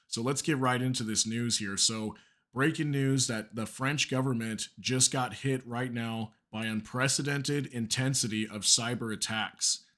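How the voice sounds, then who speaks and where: A man with a medium-pitched, fairly even, sharp-toned voice hosts casual online news commentary at an unhurried pace, reading articles aloud. Being under the weather has him losing his voice, and his talk rambles with fillers and asides.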